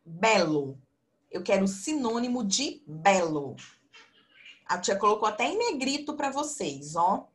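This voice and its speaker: A woman teaching young children in an online class over a video call, speaking slowly in a sing-song, patient teacher voice. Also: mid-range voice, very animated. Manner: slow, sing-song teacher talk to children, calls herself auntie. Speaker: primary school teacher. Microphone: computer mic on video call.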